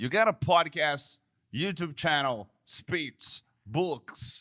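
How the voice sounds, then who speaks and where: A man with a non-native accent speaks at a very slow pace in a bright, sharp tone. The recording is very clean with a silent background and a dry, close sound with no echo. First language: Portuguese. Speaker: podcast host. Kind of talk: interview. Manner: halting.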